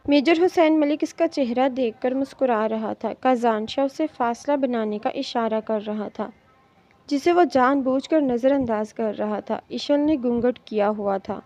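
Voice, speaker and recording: A woman reading a romance novel aloud in steady audiobook narration. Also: fairly high pitch. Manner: steady storytelling. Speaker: novel reader. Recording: dull lo-fi recording.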